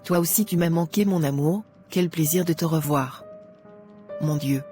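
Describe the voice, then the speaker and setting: A woman voicing a repentant mother in an animated Christian drama, speaking softly and contritely. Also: low voice, normal speed, over music, close to an everyday voice. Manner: soft, contrite. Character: repentant mother returning to her family.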